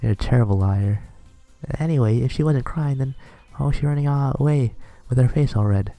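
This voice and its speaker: A man's voice: medium pitch, a little fast, no echo, faint music behind, pitched above the performer's own voice, natural voice, poor audio. A man voicing an angry, hot-tempered teenage schoolgirl scolding someone. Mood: furious. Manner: shouting, scolding.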